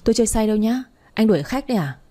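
A woman's voice: on the high side, lively intonation, rapid-fire, warm tone. A woman voicing a drunk, heartbroken young woman who slurs and pleads. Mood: slurring. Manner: slurred, pleading.

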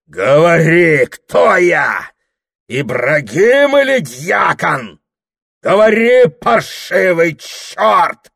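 A man voicing a huge, drunken, furious deacon who bellows long, drawn-out threats. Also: lowish voice, lively intonation, fairly bright tone. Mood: bellowing.

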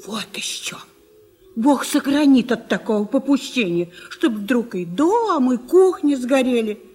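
Fretful old country granny, highish husky voice, gentle scolding, radio play. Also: female voice, very animated, a little slow, full character voice. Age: older. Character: kindly, pious, fretful old country housewife.

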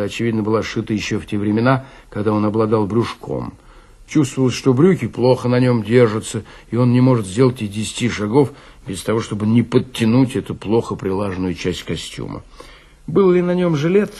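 A man reads a literary story as its first-person narrator. His voice is low and husky, with gravel in it. The delivery is expressive and theatrical, with animated intonation.

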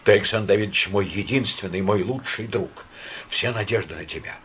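A man's voice: lowish voice, brisk, fairly bright tone, slight background noise, close to an everyday voice. A man reading an audiobook voices a desperate young official who pleads in a trembling voice. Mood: desperate, pleading.

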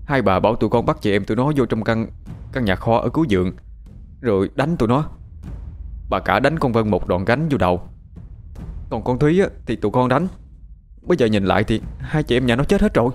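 A man's voice: mid-range voice, animated, a little fast, pauses often, soft background music, natural voice. A man voicing a frightened young male servant, stammering and pleading. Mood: scared.

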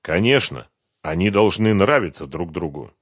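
A man reading the lines of a divorced man who speaks quietly, sadly and hesitantly. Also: low-pitched, expressive, moderate pace, slightly rough, dry recording, clean studio sound. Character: divorced middle-aged man, shy and sincere.

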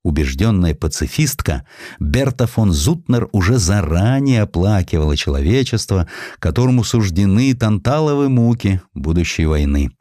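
A man narrating a historical sketch as a scripted audiobook, with an expressive, theatrical storytelling manner. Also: fairly low pitch, moderate pace, dry recording, studio quality.

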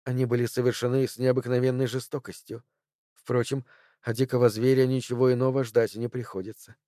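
A man voicing a composed, clever young woman in an audiobook, speaking in a calm, measured way close to his own voice. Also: mid-range voice, no room sound, lightly acted. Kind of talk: audiobook character voice.

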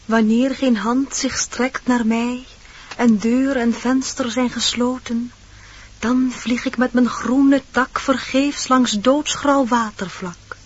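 An actor playing a gentle, weary dove without hope, speaking mournful verse in a radio drama. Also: male voice, very high voice, fairly even intonation, takes it slowly. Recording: dull radio recording, faint noise.

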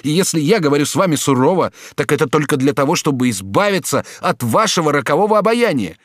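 A tormented young man, as a male audiobook reader plays him, who answers with reproach and doubt. The voice is pitched a little high for a man. The sound is dry and close to the mic. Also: expressive, quick pace, fairly bright tone, dry recording. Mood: anguished. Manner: anguished, reproachful. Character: torn, agitated young man.

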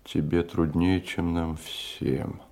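An actor playing a steady, sympathetic antifascist comrade in an audio drama, speaking in a plain, measured, terse way. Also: male voice, sits low. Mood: sympathetic, serious. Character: steady, sympathetic male comrade, builder turned antifascist fighter.

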